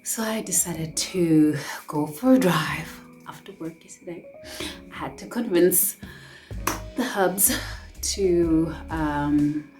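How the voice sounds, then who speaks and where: South African woman booktuber, low mellow voice, rambling casual chat, faint music behind. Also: slow pace. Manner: chatty, rambling, with frequent ums and restarts.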